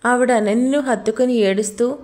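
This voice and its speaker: A woman's voice: on the high side, steady tone, moderate pace, darkish tone. A woman narrating a romantic audio story in a scripted, dramatic, emotional way.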